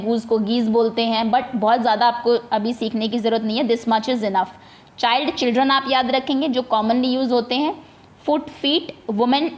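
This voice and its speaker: Hindi-speaking woman teaching English grammar. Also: a little high. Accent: Indian English. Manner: patient, repetitive explanations with frequent check-ins. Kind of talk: classroom lesson for primary students.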